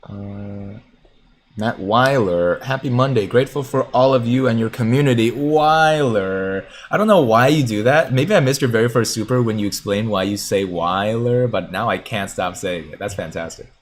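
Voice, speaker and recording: A man hosting a casual livestream, reading viewer comments aloud, chatting and laughing easily as he thinks out loud. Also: lowish voice, moderate pace. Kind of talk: casual livestream chat about stocks.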